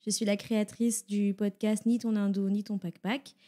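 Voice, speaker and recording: A woman's voice: medium pitch, level tone, normal speed, warm tone. A woman podcast creator introducing herself briefly and matter-of-factly. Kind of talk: self-introduction in interview.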